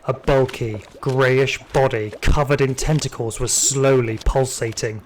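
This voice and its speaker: A man's voice: medium pitch, steady tone, unhurried, a little hiss or hum, close to an everyday voice. A man playing a terrified security guard, narrating his ordeal urgently and theatrically in an audio drama. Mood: tense.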